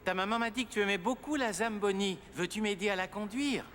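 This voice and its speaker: Friendly cartoon machine driver, high male voice, inviting, reverberant hall. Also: brisk, fairly bright tone. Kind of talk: children's cartoon dialogue. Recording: reverberant hall, faint noise.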